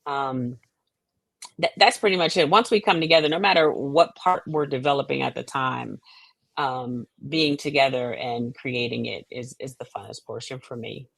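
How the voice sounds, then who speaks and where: An extremely low, creaky voice with a slightly bright, breathy edge belongs to a middle-aged American playwright and stage director being interviewed. At a moderate pace, she reflects and explains, frequently checking in with "you know what I mean," and there's no room sound.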